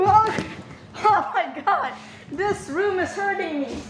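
Noticeable background noise fills the recording. A woman talks over it. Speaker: visitor vlogger. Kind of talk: casual vlog chat. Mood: excited, dizzy, laughing. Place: hall. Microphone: phone near.

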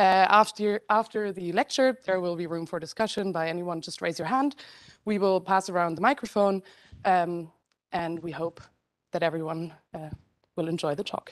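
A woman has a normal speaking voice with a fairly low pitch and ordinary pitch variation. The background is quiet. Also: moderate pace. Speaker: event moderator. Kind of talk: announcement. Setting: stage with audience. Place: hall. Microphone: handheld.

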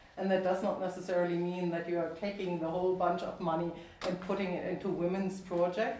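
Audible room echo along with light background noise. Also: woman. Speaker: climate finance expert. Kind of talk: panel discussion. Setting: stage with audience. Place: hall.

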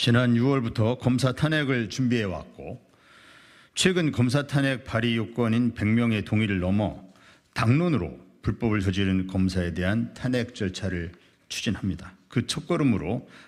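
A man's lively, up-and-down delivery at a fairly slow pace over a quiet background. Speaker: lawmaker. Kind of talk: press conference statement. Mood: firm, accusatory. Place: hall. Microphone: podium.

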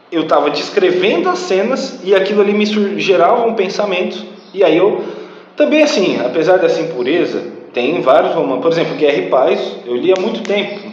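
A man speaks with a high pitch and lively intonation. Audible room echo can be heard around him. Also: fairly quick pace. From São Paulo state, Brazil. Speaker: novelist and video creator. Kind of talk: casual monologue to camera about his book. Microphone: webcam.

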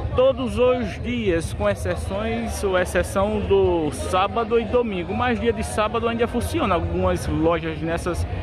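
Clear music plays in the background as a man speaks at a fairly slow pace in a dry sound with no echo. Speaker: local channel vlogger. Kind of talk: casual vlog chat. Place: market. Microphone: phone near.

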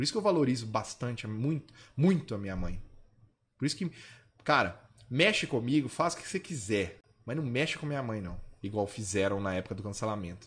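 Here a man with a medium pitch uses lively intonation and an animated, somewhat breathy tone. He goes at a fairly quick pace yet takes long, frequent pauses. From Brazil. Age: 30s. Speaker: gaming YouTuber and streamer; gaming YouTuber, streamer. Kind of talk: casual opinion commentary video. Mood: opinionated, animated. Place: home room.

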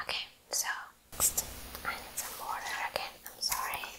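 A woman whispering at a very slow pace. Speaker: YouTuber. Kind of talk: ASMR whisper talk to camera. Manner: whispered, secretive. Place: home room. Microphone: earbuds.

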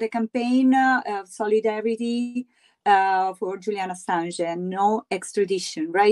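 A woman with an Italian accent and ordinary pitch variation, against a quiet background. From Italy. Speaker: radio interviewer. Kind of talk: interview. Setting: studio. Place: home room. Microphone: video call.

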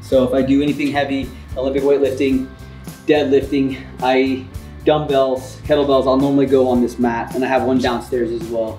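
Faint music sits in the background as a man speaks at a fairly quick pace, with audible room echo. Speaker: fitness vlogger. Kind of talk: casual vlog chat. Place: garage.

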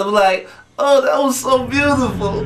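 Faint music sits in the background behind a man's voice. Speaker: interviewee. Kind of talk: comedic interview answer. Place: studio.

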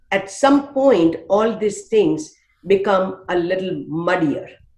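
Audible room echo surrounds a woman's medium-pitched voice. She sounds somewhat breathy and speaks at a very slow pace. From India. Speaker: psychiatrist. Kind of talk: panel discussion. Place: home room. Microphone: video call.

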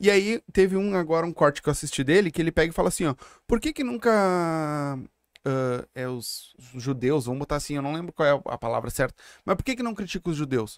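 A man talks at a fairly quick pace and a fairly high pitch with lively intonation. The sound is dry with no echo, and the background is quiet. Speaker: podcast host. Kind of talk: casual chat, podcast conversation. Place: studio. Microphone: studio mic.

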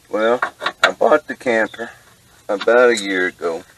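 A man takes a fairly slow pace while noticeable background noise continues behind him. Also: dry sound with no echo. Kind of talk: casual tutorial vlog chat. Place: open country. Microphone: phone near.

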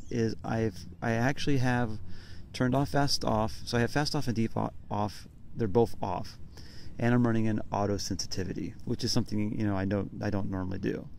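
A man with an unremarkable speaking voice talks at a fairly quick pace and fairly low pitch with ordinary pitch variation, the sound dry with no echo and light background noise. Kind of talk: casual vlog chat. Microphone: phone near.

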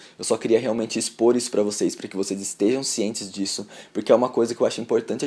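A man talks at a very fast pace, his medium-pitched voice monotone and flat. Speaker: YouTuber, K-pop commentator. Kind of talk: vlog commentary. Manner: conversational, indignant.

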